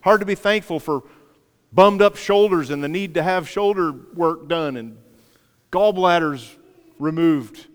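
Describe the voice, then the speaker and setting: A man preaching a sermon, leading the congregation in repeating verses, with playful asides and a lively, varied delivery. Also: fairly high pitch, measured pace, smooth. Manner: playful asides and light humor. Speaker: pastor. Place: church sanctuary. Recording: long hall reverb from a church.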